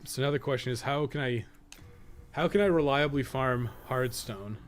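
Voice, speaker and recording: A man's voice: mid-range voice, moderate pace, soft background music. A man giving casual, rambling game stream commentary with a jokey, sometimes profane manner. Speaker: podcast co-host and game guide maker. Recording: clearly noisy background.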